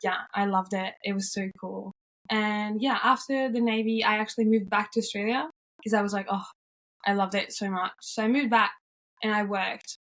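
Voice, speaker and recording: A woman's voice: mid-range voice, steady tone, normal speed, a bit bright. A young woman from Norway, cheerful and upbeat, chatting casually as an interview guest, with frequent yeahs and ums.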